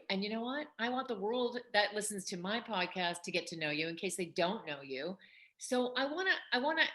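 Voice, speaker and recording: A woman's voice: medium pitch, sharp tone. A woman hosting a podcast, running a casual interview with enthusiasm and often jumping in to interrupt. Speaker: podcast host.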